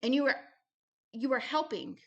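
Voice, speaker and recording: A woman's voice: sits high, animated, normal speed, gravelly, lo-fi sound. A woman giving impassioned, informal Christian teaching and testimony, blunt and emphatic, repeating phrases for stress. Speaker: ministry founder and host reading and commenting on a book.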